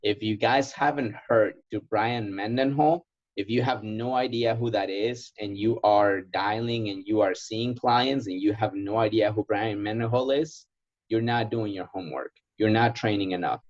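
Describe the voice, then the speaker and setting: A man with a fairly low voice and native Spanish, originally from Ecuador. He coaches informally as a sales trainer, driving points home by repeating them. The audio is somewhat dull and muffled. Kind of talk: informal coaching in a question and answer session.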